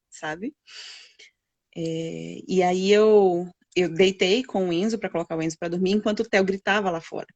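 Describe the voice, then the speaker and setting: A woman, a guest mother telling a personal story in a halting way, with many fillers. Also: mid-range voice, a little mellow, dry recording. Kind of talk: personal storytelling in a live chat.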